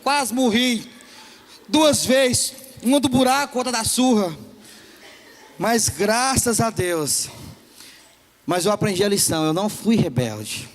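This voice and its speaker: His voice sits high with lively intonation, at a slow pace broken by long pauses. A young pastor with a Brazilian Portuguese accent, he tells humorous stories to a youth service in a church hall, acting out the different voices.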